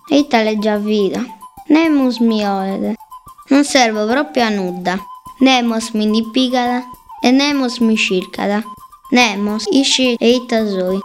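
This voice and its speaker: A tiny black seed, voiced by a woman reading a storybook, timid and lonely. The voice sits fairly high and sounds plaintive, with faint music behind. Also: natural voice. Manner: plaintive, lamenting.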